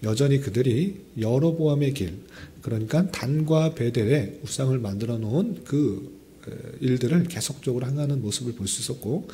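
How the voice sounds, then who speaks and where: A man, hoarse from a throat cold, speaking formally and politely as a pastor reading scripture and preaching. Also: medium pitch, moderate pace, warm tone, slight background noise. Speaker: pastor leading a dawn prayer service. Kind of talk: scripture reading and expository sermon.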